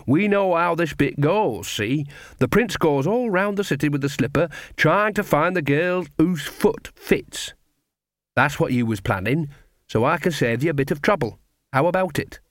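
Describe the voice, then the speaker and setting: A man's voice: fairly high pitch, lively intonation, moderate pace, no echo, studio quality, voice pushed up, close to an everyday voice. A man voicing a cheerful, earthy old witch woman with folksy grammar in an audiobook. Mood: brisk, gleeful. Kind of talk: audiobook character acting.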